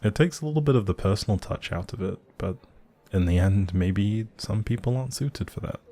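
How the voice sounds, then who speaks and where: A man's voice: fairly low pitch, a little fast, warm tone. A man playing a grumpy but secretly sweet young barista in an intimate audio roleplay, speaking straight to the listener in a teasing, wry, bookish way. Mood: curious, chatty. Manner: teasing, wry, hesitant asides.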